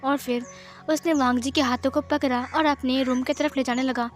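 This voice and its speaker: A woman's voice: high-pitched, fairly even intonation, moderate pace. A woman narrating a fan fiction story in a plain, conversational way.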